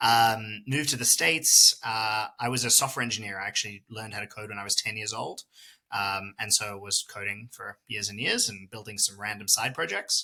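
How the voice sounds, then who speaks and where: A man with an Australian accent and a bright, sharp tone, fairly quick and fairly even in intonation, with big swings in loudness. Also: fairly low pitch for a man. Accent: non-American, Australian. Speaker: tech startup founder and CEO. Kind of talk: podcast interview.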